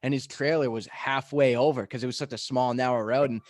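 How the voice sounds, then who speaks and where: A man from New Hampshire with a New England accent, hosting a podcast in a relaxed, chatty way. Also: medium pitch, brisk, no room sound, clean studio sound. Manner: relaxed, lots of "like" and "I mean". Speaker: podcast host. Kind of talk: casual podcast chat.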